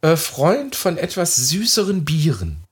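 A man's voice: fairly high pitch, huge pitch swings, measured pace. A man co-hosting a casual podcast, chatty and friendly, addressing the listeners directly and laughing easily. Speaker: podcast co-host.

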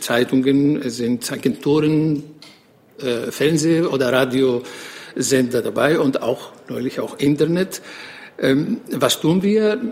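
A man's voice: medium pitch, darkish tone. Hesitant man. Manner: halting, many fillers. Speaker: foreign TV correspondent. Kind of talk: panel introduction.

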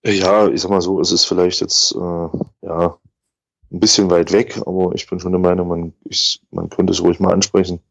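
A man co-hosting a casual fan podcast, talking thoughtfully and haltingly with repeated words. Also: sits low, little pitch movement, vocal fry, slightly rough, no echo. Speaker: podcast co-host. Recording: dry, slightly dull sound.

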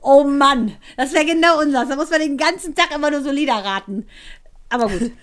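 A woman's voice: high voice, brisk, fairly bright tone. A woman co-hosting a casual podcast chat, telling stories and acting out quotes between laughs. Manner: laughing, chatty storyteller who acts out quotes. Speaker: podcast co-host.

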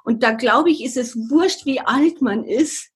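A woman's voice: high-pitched, unhurried, husky. An older woman, a podcast guest, tells her life story in an earnest, reflective way with some hesitations. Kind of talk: personal storytelling in a conversation.

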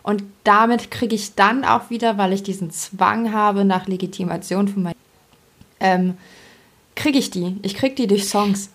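A young woman you might hear across a Berlin kitchen table, thinking out loud in loose slang on a chatty podcast. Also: mid-range voice, normal speed. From East Germany, raised in Berlin. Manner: rambling, self-reflective, slangy. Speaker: podcast co-host. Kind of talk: casual conversational podcast chat.

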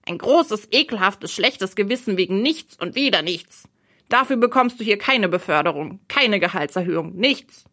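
A woman's voice: mid-range voice, lively intonation, normal speed, a bit bright. A woman voicing a blunt, provocative male bird in an audiobook, questioning and challenging the heroine. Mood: needling. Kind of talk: audiobook role reading.

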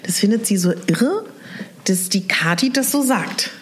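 A woman's voice: medium pitch, expressive, measured pace. Affirming woman podcast co-host. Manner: affirming, steers the conversation. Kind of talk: casual chat.

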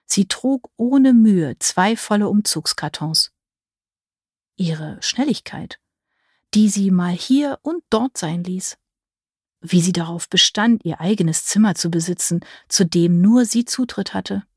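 A woman reading a dark fairy-tale story in first person, measured and vivid. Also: mid-range voice, animated, husky, no room sound, studio quality. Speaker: audiobook narrator. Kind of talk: scripted first-person narration.

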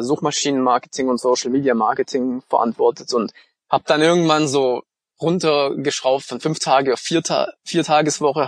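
A man's voice: medium pitch, no room sound. A man in his thirties with a light Swabian accent, chatting casually on a podcast with many fillers. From Stuttgart, Germany. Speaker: podcast co-host, online marketing consultant.

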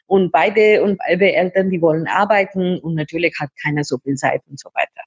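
A woman's voice: fairly low pitch, a little fast, breathy edge, highs cut off. A woman from India, Hindi native, telling her life story in an interview, often restarting and repeating words. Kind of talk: casual interview talk.

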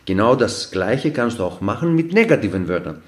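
A man's voice: lowish voice, sing-song, brisk. A man who is not a native speaker, explaining ideas earnestly through everyday examples with many fillers and restarts, as a podcast guest. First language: not German. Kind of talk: casual explanatory talk.

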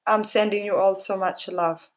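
A woman's voice: mid-range voice, steady tone, moderate pace. A woman with an East African accent giving a personal talk in a heartfelt, emphatic manner, often repeating phrases for emphasis. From Somalia-born, raised in Kenya. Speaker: guest speaker.

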